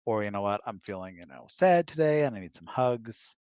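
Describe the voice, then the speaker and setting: A man with a fairly low voice talks in an informal, conversational style. He answers questions as a guest, and the sound is dry and close. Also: lively intonation, fairly quick, darkish tone, smooth, no echo. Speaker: guest answering questions alongside his wife. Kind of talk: casual chat.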